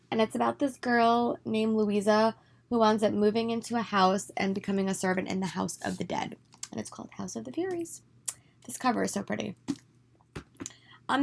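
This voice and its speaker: A young woman talks through her purchases in a chatty, eager way, her voice a little hoarse and stuffy from congestion. Her pitch sits at a middle height, and there is faint noise behind her. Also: fairly bright tone. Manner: chatty, enthusiastic, many "um"s. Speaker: book vlogger. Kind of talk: casual haul video. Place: her room at home.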